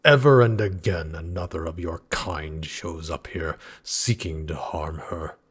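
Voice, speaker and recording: Man acting as ancient knight of earth, deep husky voice, slow and grave, formal archaic speech, audio drama guardian. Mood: angry, threatening. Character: last earthen knight, grim weary guardian of a goddess.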